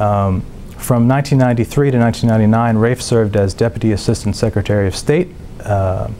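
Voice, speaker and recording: A man is speaking with light background noise. The pitch moves up and down in an ordinary way. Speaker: program moderator. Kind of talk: formal introduction of a guest. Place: studio. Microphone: lapel.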